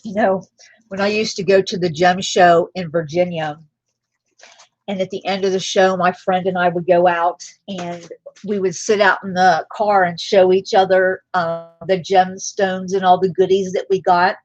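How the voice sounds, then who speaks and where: A woman's voice: lowish voice, level tone, moderate pace, lo-fi sound. A woman hosting a live jewelry sale, chatting casually and drifting into personal stories. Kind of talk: casual live-stream selling chat.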